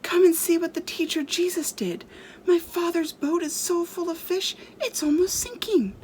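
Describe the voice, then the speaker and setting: A woman voicing an excited young boy bursting with big news in a children's storybook, urgent and exclaiming. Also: high-pitched, slight background noise, voice pushed up, natural voice.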